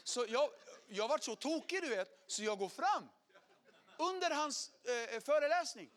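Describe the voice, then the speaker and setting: A middle-aged man telling his conversion story as a sermon testimony, animated, acting out quotes and swinging from loud to hushed. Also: very high voice.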